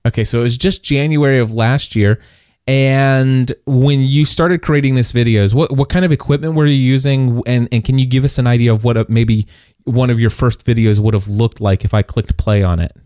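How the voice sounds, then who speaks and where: Middle-aged male podcast interviewer, jovial and conversational, medium pitch, recorded dry and close. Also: steady tone, normal speed, darkish tone, dry recording.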